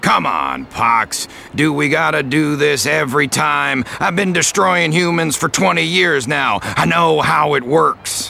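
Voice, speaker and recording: In a put-on character voice, a man talks at a fairly slow pace and a fairly high pitch. Clear background noise runs behind him. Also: hardly any pauses. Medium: video game. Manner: sarcastic, brash.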